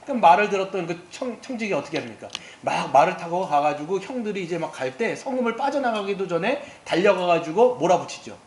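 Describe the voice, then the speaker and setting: A male pastor preaching a sermon in an animated, storytelling way, often asking the congregation questions. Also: sits high, quick pace, few pauses. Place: church sanctuary. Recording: echoey hall with faint background hiss.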